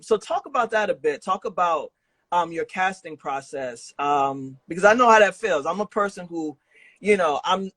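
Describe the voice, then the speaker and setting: A man's voice: high-pitched, sharp tone, no room sound. A man hosting a podcast interview in a casual, slangy, informal way. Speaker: podcast host interviewing a guest. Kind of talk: casual chat.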